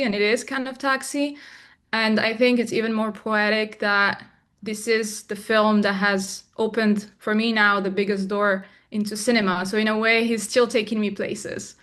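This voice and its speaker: Young woman from Morocco, a thoughtful interview guest who often pauses and restarts, mid-range voice. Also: medium pitch, a bit bright. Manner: reflective, with frequent restarts and fillers. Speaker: filmmaker guest. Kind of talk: interview conversation.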